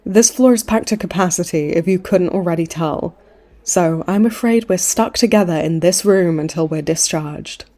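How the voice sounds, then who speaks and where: A woman's voice: fairly low pitch, normal speed, warm tone, lightly acted. A woman playing a cheeky, smug supervillain in a comedy audio roleplay, with a breezy, teasing way of talking. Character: cocky, cheeky supervillain woman, a chummy hospital frequent flyer.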